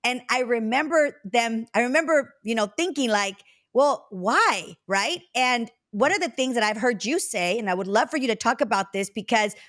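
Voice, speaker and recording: A woman in her forties from Mexico, hosting a casual interview chat and telling stories in a reflective, drawn-out way. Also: on the high side, fairly bright tone. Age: 40s. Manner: reflective, storytelling, drawn-out phrasing with fillers. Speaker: podcast host.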